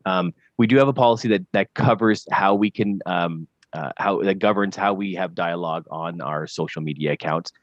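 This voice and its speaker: Deep man on a breaking-up call. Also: no room sound. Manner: halting, loses his place and restarts phrases. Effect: call audio cutting out as the stream drops. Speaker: police social media spokesman. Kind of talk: answering questions in a remote meeting. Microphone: video call. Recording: dull, lo-fi call audio breaking up.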